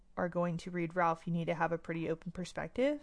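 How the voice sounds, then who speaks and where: A woman speaks with fairly even intonation. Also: quiet background. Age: 30s. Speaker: podcast host. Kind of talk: solo educational monologue. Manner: hesitant, many fillers.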